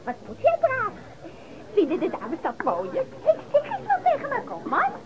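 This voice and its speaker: An actress playing a brash, nosy young innkeeper's daughter in a radio play, teasing and sharp-tongued. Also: female voice, extremely high pitch, huge pitch swings, normal speed, heavy background noise, full character voice. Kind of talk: radio drama dialogue. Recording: dull old recording, loud crowd.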